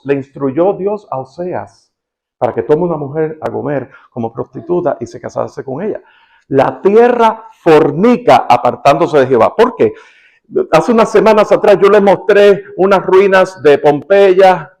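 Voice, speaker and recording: A man with a Cuban accent preaching a sermon, shifting between soft quoted passages and emphatic rising questions. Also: on the high side, rough recording. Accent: Cuban Spanish. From Cuba. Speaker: pastor.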